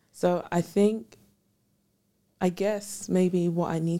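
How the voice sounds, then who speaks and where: A woman with a London accent speaks in a fairly low pitch, her tone dark and mellow and her intonation fairly even. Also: very clean recording, silent background. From London, of Ghanaian heritage. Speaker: coaching client. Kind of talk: casual chat.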